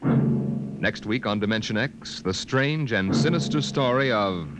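An American man announcing a 1950s radio show in a formal, measured, dramatic scripted style. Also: fairly low pitch. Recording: 1950 radio broadcast recording. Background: loud dramatic music.

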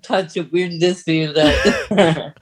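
Man, fairly high voice, podcast co-host, informal, rambling, casual fandom chat. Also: steady tone, slow.

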